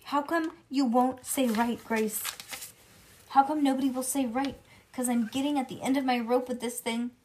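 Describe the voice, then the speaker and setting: A woman voicing an excitable, pushy little schoolgirl who talks in insistent, rambling bursts. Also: fairly high pitch, normal speed, slight background noise.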